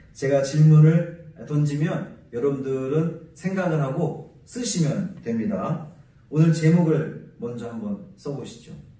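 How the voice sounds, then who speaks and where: At a very slow pace, a man with fairly high pitch and ordinary pitch variation speaks amid noticeable background noise and audible room echo. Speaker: pastor. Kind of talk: bible study lecture. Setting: recorded online broadcast.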